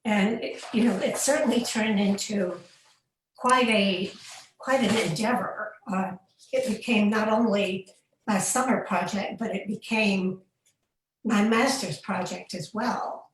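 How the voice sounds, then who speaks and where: A woman on a panel explaining her preservation research in a steady, matter-of-fact way. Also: mid-range voice, measured pace, slight background noise. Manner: explanatory, with fillers. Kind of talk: panel discussion. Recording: echoey distant room sound.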